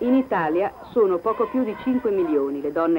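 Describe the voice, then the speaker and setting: Speech at a moderate pace plays over noticeable background noise. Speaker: documentary narrator. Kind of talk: scripted political documentary narration, 1970s campaign film. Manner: formal, measured, declamatory, authoritative, like a campaign newsreel voiceover.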